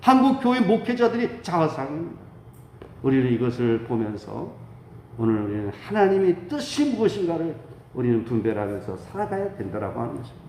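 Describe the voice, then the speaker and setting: A man's voice: medium pitch, very animated, fairly quick, dark tone. A man preaching a sermon as a pastor, fervent and exhortatory, posing rhetorical questions and answering them himself. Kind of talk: dawn prayer sermon. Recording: echoey room with faint background noise.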